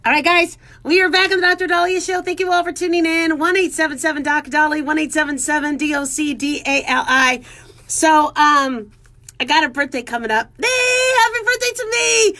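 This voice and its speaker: A woman's voice: high-pitched, a little fast, pushed and bright. A woman in her forties hosting a radio show, chatting in a casual, self-mocking, joking way. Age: 40s. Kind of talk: casual talk radio monologue.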